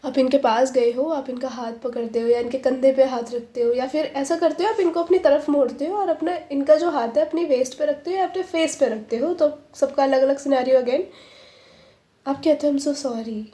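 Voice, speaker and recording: A woman with a high but mellow voice gives a chatty tarot reading to camera. She keeps checking in with the listener and acts out both sides of an imagined couple's conversation. The recording has a noticeable echo from the room. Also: normal speed. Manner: acts out imagined dialogue, switching voices for each side. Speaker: tarot reader. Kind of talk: casual intuitive reading to camera.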